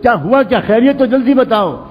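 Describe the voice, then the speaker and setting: A kindly old religious teacher asks anxious, fatherly questions, as a male preacher acts him out. His voice sits high and trails off into a long hall echo. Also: highs cut off. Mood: worried.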